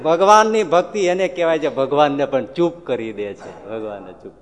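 A male preacher telling devotional stories in an animated way, acting out the characters and speaking directly to his audience. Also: fairly high pitch, normal speed. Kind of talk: devotional storytelling sermon. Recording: long hall reverb.

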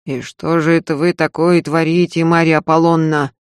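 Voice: mid-range voice, little pitch movement, normal speed, clean tone, dry recording, clean studio sound, lightly acted. A narrator voicing a bossy old peasant servant woman who scolds and grumbles in a folksy, raised voice. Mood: scolding.

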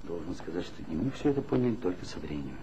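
Wry, bitter ex-writer. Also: male voice, deep voice, sing-song, very fast, warm tone. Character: bitter, ironic former magazine writer, middle-aged man. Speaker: former writer of a secret magazine department. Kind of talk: 1960s radio play acting. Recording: dull old 1960s radio recording with faint hiss.

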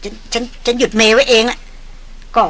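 A man's voice: very high-pitched, normal speed, sharp tone, heavily acted. A woman doing a stammering, defensive ex-officer man. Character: blunt former artillery officer, middle-aged man.

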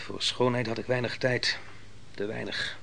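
An actor playing a proud, ruthless biblical army commander in a radio drama, speaking in a grand, declamatory style. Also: male voice, medium pitch, level tone, normal speed, gravelly, sharp tone, a little hiss or hum. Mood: bitter, brooding. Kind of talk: theatrical radio drama monologue and dialogue.

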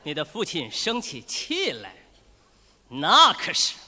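A man's voice: a little high, wildly swooping pitch, slow, sharp tone, long reverb tail. A man telling a comic story in a teasing, playful way as the lead in a crosstalk performance.

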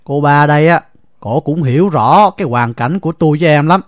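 A man's voice: on the high side, brisk, no room sound, lightly acted. A man voicing a harried husband with a Southern Vietnamese accent, flustered and pleading, his voice raised and pressing. The sound is close and dry. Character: harried timid husband caught between two women. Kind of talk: audio drama acting.

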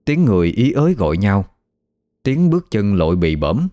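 A man narrating a ghost story in a measured, evocative way. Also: on the low side, sing-song, dry recording. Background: soft music.

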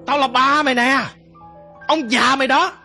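A woman voicing the skinless ghost of an old father who pleads in a slow, hushed, grim voice, husky, with faint music behind. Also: sits high, steady tone, heavily acted. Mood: hushed pleading.

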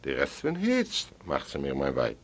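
A man reading a story aloud as an audiobook narrator, lively and dramatic, voicing the characters with big swings in pitch and loudness. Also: normal speed, breathy edge. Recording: library recording from the 1980s or 1990s.

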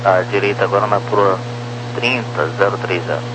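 Low-voiced male controller on crackly radio. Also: normal speed. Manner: clipped procedural instructions, numbers read digit by digit. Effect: crackly aviation radio. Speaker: air traffic approach controller. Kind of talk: radio air traffic control phraseology. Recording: crackly humming aviation radio transmission.

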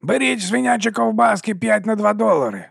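A man plays a shifty, pushy street vendor in a storybook, with a high, brassy, slightly gravelly voice. He hawks his wares loudly and wheedles every customer, recorded dry and close. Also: animated, fairly quick, no echo, exaggerated voice. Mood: hawking. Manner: wheedling sales patter, loud hawking.

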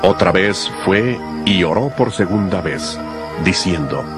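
A man's voice: low voice, expressive, takes it slowly. A man narrating scripture from a script in a solemn style, as part of a dramatized audio Bible. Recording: music behind the voice.

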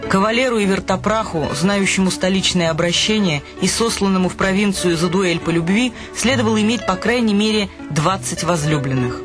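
A high-voiced man reads a story for a radio play, measured and expressive. Music plays clearly underneath his narration. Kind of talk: literary reading in a radio play.

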